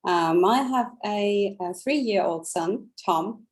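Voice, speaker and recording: A woman finance chief introducing herself on a video call in a measured, earnest way. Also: medium pitch. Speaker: CFO, panelist.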